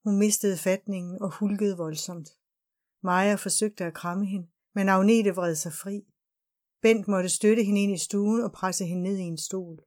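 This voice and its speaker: A woman reading a novel aloud as an audiobook narrator, calm and even. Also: mid-range voice. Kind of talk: scripted narration.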